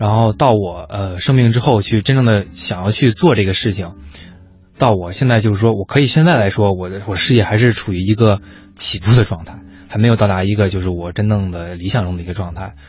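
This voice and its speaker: A man talks at a fairly quick pace and a fairly low pitch. His voice is somewhat breathy, with ordinary pitch variation. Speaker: independent photographer. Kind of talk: radio interview. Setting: radio studio.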